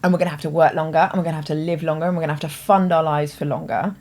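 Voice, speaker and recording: A woman's voice: low-pitched, fairly even intonation, very fast, a little mellow. A British woman hosting her own show, explaining ideas in a thoughtful, conversational way with hedging asides. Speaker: host. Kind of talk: explanatory talk to camera.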